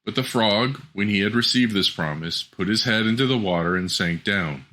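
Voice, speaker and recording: A man narrating a scripted fairy tale as a storyteller, in a measured, expressive way. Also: lowish voice.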